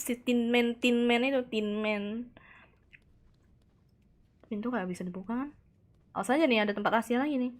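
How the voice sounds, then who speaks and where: A woman streaming a horror game live, chatting excitedly, reacting aloud and answering her chat, tossing in Japanese words. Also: a little high. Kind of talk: live gameplay commentary.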